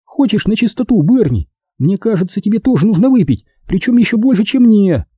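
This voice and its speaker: A man's voice: sits high, sing-song, a little fast, dark tone, slightly rough, no echo, clean studio sound, voice pushed up, full character voice. Tipsy rambling woman, a man putting her on. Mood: tipsy, indignant. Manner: drunken rambling, counting points. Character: tipsy young woman, tangled, indignant, chatty. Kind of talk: audiobook reading.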